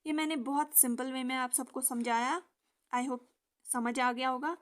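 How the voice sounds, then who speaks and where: Young woman teacher, high voice, explains stuff simply, keeps saying okay. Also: steady tone, moderate pace. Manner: repeats "ठीक" as a check-in, mixes English terms into Hindi. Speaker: exam-prep teacher. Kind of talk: casual explanatory lesson.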